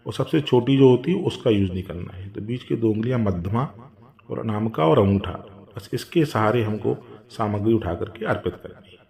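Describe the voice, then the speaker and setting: A man patiently explaining a home fire ritual step by step, with drawn-out chanted mantras. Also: lowish voice, lively intonation, creaky, a little mellow. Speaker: religious instructor.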